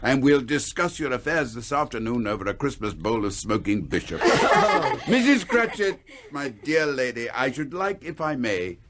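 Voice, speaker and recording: A man's voice: mid-range voice, moderate pace, natural voice. An older man with an English accent playing a reformed old miser in a radio drama, exuberant, courteous and emotional. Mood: hearty, warm. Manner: excitable, theatrical, old-fashioned courteous speech. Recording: radio drama with background noise.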